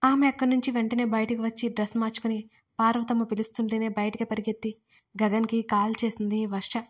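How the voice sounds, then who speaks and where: A woman narrates a serialized audio story with a steady, measured reading. Her voice sits fairly high and stays level, with little rise and fall.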